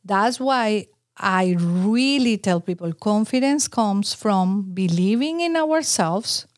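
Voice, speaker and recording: A woman's voice: medium pitch, animated, slow pace, no echo, clean studio sound. A middle-aged Colombian woman who speaks English with a Spanish accent, talking earnestly as an interview guest and laughing at herself. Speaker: guest, communications coach. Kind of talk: conversational interview.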